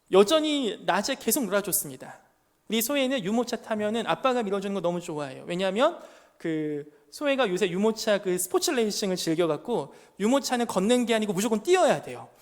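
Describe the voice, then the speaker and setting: A high-voiced junior pastor in his thirties preaches a sermon to young adults in a church sanctuary. He presses the room with emphatic rhetorical questions and tales from his family life, and the hall adds a long reverb.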